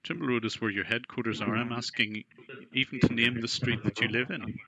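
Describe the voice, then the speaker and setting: A man with a gravelly voice, questioning someone in a persistent, skeptical, conversational way. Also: medium pitch, fairly even intonation, a little fast, bright, forceful tone, low-quality recording. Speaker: scam baiter questioning a scam caller.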